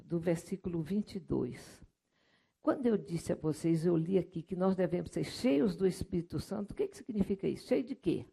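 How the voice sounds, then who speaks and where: A middle-aged Brazilian woman missionary preaching a sermon, lively and storytelling, acting out voices from her anecdotes. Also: on the low side, vocal fry, husky. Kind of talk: sermon with object lesson.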